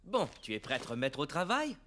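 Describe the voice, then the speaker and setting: An actor voicing a patient, kindly, playful dad in a French-dubbed preschool cartoon, encouraging and gently teasing. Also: medium pitch, big pitch swings, quick pace, close to an everyday voice.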